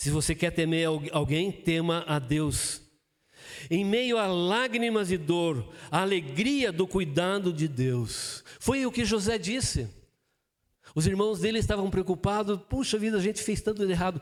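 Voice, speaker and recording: A man talks with a high pitch and lively intonation. His pace is fairly slow. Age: 60s. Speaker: pastor. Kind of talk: sermon. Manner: halting.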